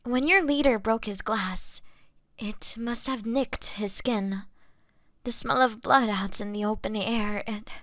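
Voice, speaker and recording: A woman playing a gentle young female vampire in an audio roleplay, apologetic and halting, with a breathy voice that often drops to a whisper. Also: medium pitch, dry recording, studio quality. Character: gentle young female vampire, remorseful, fighting her bloodlust. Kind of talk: scripted dramatic audio roleplay monologue.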